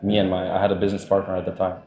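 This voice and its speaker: A man talking casually as a podcast guest, loose and chatty, laughing often and filling pauses with "like" and "you know". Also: low-pitched, completely flat delivery, dark tone, echoey room. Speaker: podcast guest, dating coach. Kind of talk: casual interview talk.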